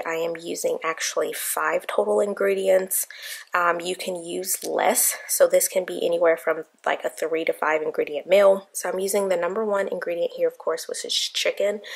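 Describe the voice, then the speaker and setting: A woman's voice: on the low side, creaky, slightly rough. A young woman in her twenties chatting casually to viewers in her home kitchen, walking through a cooking routine step by step. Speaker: vlogger.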